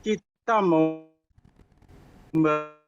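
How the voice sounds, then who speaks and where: A man's voice: fairly high pitch, extremely slow, over music. A man calling in with a hesitant question, his voice breaking up and cutting out over the phone line. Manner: hesitant, searching for words. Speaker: caller. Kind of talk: call-in question to a radio Bible program.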